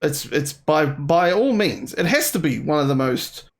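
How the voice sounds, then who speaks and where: A man's voice: a little high, lively intonation, measured pace. A man hosting a casual interview, laid-back and rambling, filling his questions with "like" and "man". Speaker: interview host.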